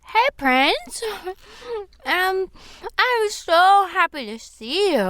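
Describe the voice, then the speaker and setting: A woman's voice: very high voice, fairly bright tone, no echo, clean studio sound, pitched above the performer's own voice, full character voice. A woman voicing a greedy older stepsister in a children's story, giggling and mumbling as if her mouth is full.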